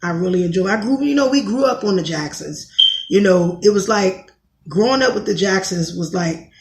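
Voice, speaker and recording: A woman in her thirties from Washington, D.C., with a raspy voice, talking bluntly in a rambling podcast monologue and often correcting herself. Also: medium pitch, animated, moderate pace, echoey room, rough recording. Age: 30s. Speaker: podcast host. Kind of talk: casual monologue commentary.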